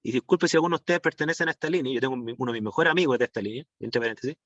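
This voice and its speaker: A man's voice: medium pitch, very fast, a bit bright, no echo. A man teaching an online class, rambling through restarts and fillers and checking in with his students. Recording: dull, dry lo-fi stream audio.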